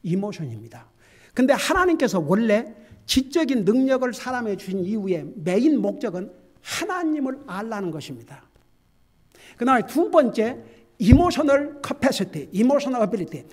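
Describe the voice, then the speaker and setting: Lively older Korean-speaking pastor preaching. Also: male voice, extremely high pitch, normal speed. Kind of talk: sermon. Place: church sanctuary.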